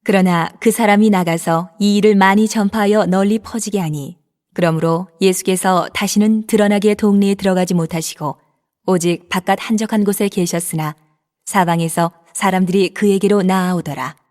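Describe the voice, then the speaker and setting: A woman narrating a dramatized scripture reading in a measured, even manner. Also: mid-range voice. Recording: long reverb.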